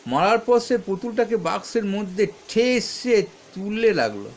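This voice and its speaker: A man's voice: sits high, sing-song, a little slow, a little hiss or hum. A man teaching, reading questions aloud and answering them step by step, stopping often to correct himself. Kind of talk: explaining textbook answers.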